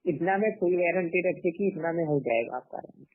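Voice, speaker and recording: A man's voice: a little high, a little fast. A man acting as a broker on a recorded phone call, negotiating informally and firmly. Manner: firm, repetitive refusals.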